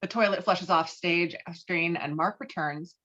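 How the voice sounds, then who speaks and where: A woman's voice: on the low side, normal speed, a bit bright, highs cut off. A woman giving scripted narration of a screenplay, reading out scene headings and action. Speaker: stage directions narrator.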